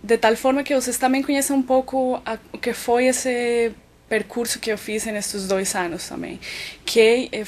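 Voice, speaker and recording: A woman's voice: fairly high pitch, slight background noise. A woman from Colombia, a physician and researcher with a Colombian Spanish accent, giving an academic web lecture with frequent filler words. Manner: thoughtful, many "então" and "é" fillers while explaining.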